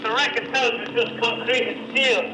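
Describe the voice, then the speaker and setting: A man diving at a shipwreck, calling up to the boat over a diver's mask radio in measured call-outs and awed descriptions. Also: very high-pitched, steady tone, over music. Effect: underwater diver radio through a full-face mask. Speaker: scuba diver reporting from a wreck. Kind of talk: radio check-ins from underwater. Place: underwater at a shipwreck, 29 metres down. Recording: echoey, distant, noisy underwater comms link.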